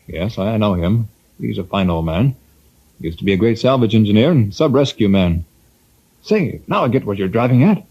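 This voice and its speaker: An actor playing a cautious navy commander who speaks in a guarded, matter-of-fact way, in an old radio drama. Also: male voice, lowish voice, lively intonation, normal speed, darkish tone. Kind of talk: 1950s radio drama acting. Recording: dull old radio broadcast.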